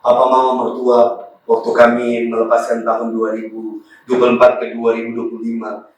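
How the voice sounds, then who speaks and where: A man from Maluku with a raspy voice, preaching fervently to a congregation. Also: mid-range voice, monotone, brisk, a little hiss or hum. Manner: fervent preaching with frequent congregation address and hallelujahs. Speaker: pastor. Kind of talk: sermon. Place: church hall. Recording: echoey church hall from far off.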